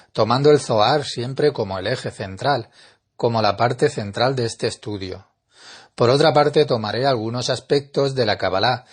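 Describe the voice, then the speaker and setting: Guy with a kinda raspy voice, normal pitch, lecturing slow and earnest like a teacher. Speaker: Kabbalah teacher. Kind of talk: spiritual lecture.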